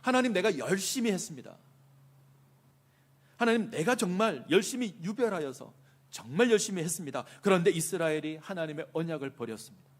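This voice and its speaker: A man's voice: on the high side, lively intonation, fairly quick, husky. Man acting out an aggrieved, exhausted prophet. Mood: pleading. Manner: impassioned, complaining rhetorical questions. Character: weary aggrieved male prophet pleading with God.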